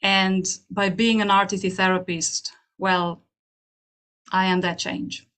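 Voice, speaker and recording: A woman with a Slovenian accent speaks at a middle pitch. She addresses an online audience with a personal testimonial. Her delivery is earnest and emphatic, building on repeated phrases. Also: flat delivery, slow, fairly bright tone, clean tone. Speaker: hypnotherapist speaking at an open house.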